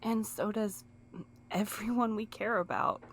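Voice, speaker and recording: A woman's voice: mid-range voice, steady tone, measured pace, slight background noise, lightly acted. An actress in an audio drama playing an earnest, anxious, guilt-ridden young woman who speaks with pleading emotion. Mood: guilty, tearful.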